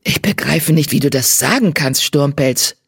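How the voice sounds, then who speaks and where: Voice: medium pitch, expressive, moderate pace, vocal fry, husky, no echo, clean studio sound, exaggerated voice. A reader voicing a sullen, hot-tempered black tomcat who grumbles and hisses his complaints. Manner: grumbling, hissing.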